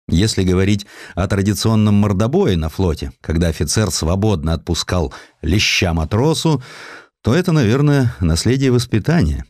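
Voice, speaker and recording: A man with a low voice narrates a historical tale in a theatrical, ironic manner. His intonation swings widely from phrase to phrase. The sound is very dry, with no room around it. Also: darkish tone, no room sound. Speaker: narrator of a historical audio sketch. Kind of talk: expressive scripted literary narration.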